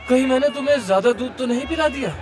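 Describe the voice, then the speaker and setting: A man's voice: extremely high pitch, quick pace, a crowd in the background. A man dubbing a young father who fusses over his crying baby, coaxing it and pleading down the phone for help. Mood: coaxing, fretful. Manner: coaxing and fretful, turning to exasperated pleading. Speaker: voice actor in a dubbed series. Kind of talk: dubbed TV drama acting. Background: background music.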